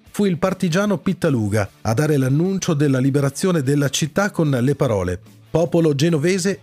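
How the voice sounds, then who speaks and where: A man's voice: medium pitch, darkish tone. A man hosting a radio show, reading scripted historical-style narration in the manner of a presenter. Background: background music.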